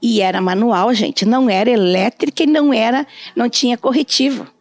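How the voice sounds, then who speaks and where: Soft music plays behind this fairly quick, slightly high female voice, recorded without echo. She's middle-aged or older, chatting as a podcast guest in a relaxed interview, sharing stories and performing the lines of the people in them.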